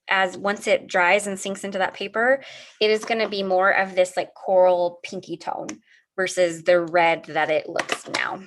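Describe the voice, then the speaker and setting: A middle-aged woman with a medium-pitched, fairly bright voice hosts a live craft demo over a video call. She walks viewers through each step in a friendly, chatty way, sounding a little sniffly and frequently pausing to reply to chat comments.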